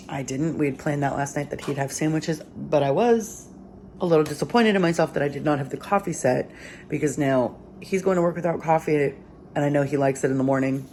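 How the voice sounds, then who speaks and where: A woman's voice: low-pitched, slight background noise. A sleepy young woman chatting rambly in a home vlog, with lots of fillers, from her kitchen early in the morning. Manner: chatty and rambling, many fillers, soft-spoken at times while the baby sleeps. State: sleepy, yawning. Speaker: vlogger, mother of several children. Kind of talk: casual home vlog chat.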